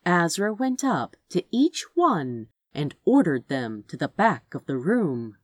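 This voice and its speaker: A woman narrates fiction in a slightly low voice. Her reading is measured and unhurried, with animated rises and falls, and the recording is dry. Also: dry recording. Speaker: audiobook narrator. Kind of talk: expressive scripted fiction narration.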